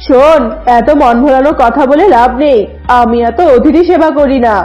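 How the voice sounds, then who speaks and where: A woman's voice: high voice, moderate pace, warm tone, natural voice. A woman voicing a bossy, hostile tigress in a cartoon, stern and challenging. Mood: angry, dismissive. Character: bossy, hostile tigress ruling her jungle. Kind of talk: cartoon voice acting. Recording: dull lo-fi audio, music behind.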